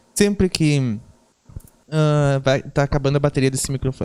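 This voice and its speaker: Recorded with a dry, close sound and no echo, a man speaks at a fairly high pitch in a dark, mellow tone. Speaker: spiritual teacher. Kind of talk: spiritual talk to online members. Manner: halting, self-correcting.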